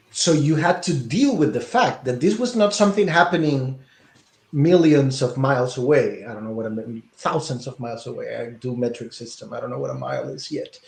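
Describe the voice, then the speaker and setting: Guy, mid-pitched voice, thinks out loud, fixes his own words, dry little jokes, roomy echo. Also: vocal fry. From Peru. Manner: reflective, self-correcting, wry asides. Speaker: guest theater artist. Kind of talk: conversational interview answer. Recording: echoey room.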